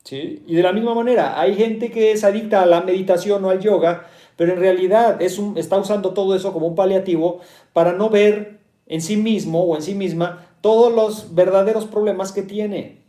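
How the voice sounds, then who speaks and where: A man's voice: high voice, fairly even intonation, normal speed, dark tone, roomy sound. A man with a Mexican Spanish accent, a meditation teacher explaining ideas to listeners, often asking rhetorical questions, checking in with "¿sí?", and repeating key points.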